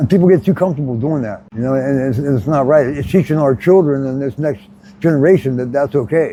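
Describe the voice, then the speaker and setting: A man's somewhat breathy, dark, mellow voice at fairly high pitch, very fast pace and lively intonation. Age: 60s. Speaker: retired ironworker. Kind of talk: casual interview. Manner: halting.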